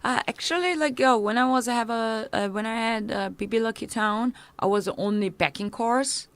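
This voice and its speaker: In a casual interview, a punk musician in her thirties whose first language is Korean speaks English haltingly, restarting often and using many fillers. Her voice is on the high side, with a little hiss or hum in the recording.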